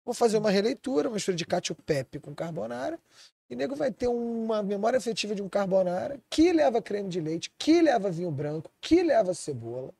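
A man's voice: sits high, very animated, a little fast, vocal fry, dark tone, husky, no room sound. A man from Switzerland, a chef and restaurant owner, talking animatedly in a casual podcast chat and swearing freely.

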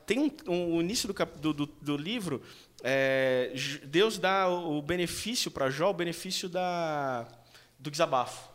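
A man's voice: a little high, measured pace, fairly bright tone. A Brazilian man in his thirties in a casual faith discussion, telling emotional personal stories. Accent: Brazilian Portuguese. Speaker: panelist.

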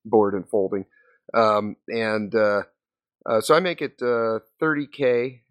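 A man's voice: on the low side, steady tone, takes it slowly, smooth, no room sound. Man retelling a poker hand, dry sound. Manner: storytelling with many fillers and restarts. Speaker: podcast host. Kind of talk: casual poker hand recap.

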